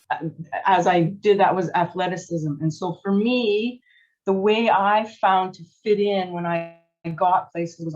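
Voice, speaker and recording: A middle-aged woman from Canada, a coach and former athlete, telling her story in a lively, chatty way with frequent laughs and restarts. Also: fairly low pitch, dull audio. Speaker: guest, sport psychology coach. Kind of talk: casual interview storytelling.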